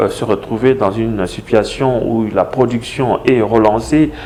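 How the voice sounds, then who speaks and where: A man speaks at a very slow pace in a medium pitch, with noticeable background noise. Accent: Congolese. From DR Congo, Kwilu region. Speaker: professor and political candidate. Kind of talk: interview. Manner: hesitant, many fillers.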